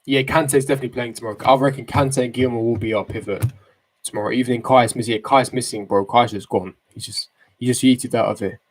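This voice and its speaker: A young man of about eighteen talks casually to a livestream chat at a mid pitch. He is slangy and opinionated, often repeating a phrase to press his point. The voice is picked up by a desk microphone in a bedroom. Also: fairly even intonation, fast, slight background noise. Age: 18, late teens. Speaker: football fan streamer. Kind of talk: casual livestream chat, reading and answering viewer comments. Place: small bedroom, indoors. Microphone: desk microphone close in front.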